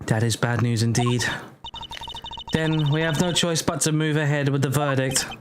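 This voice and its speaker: A stern, pompous courtroom judge, read by a man in a fan reading of game dialogue. The voice sits slightly high for a man and the delivery is formal. A clear hiss of noise runs under a stream mic. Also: moderate pace, natural voice.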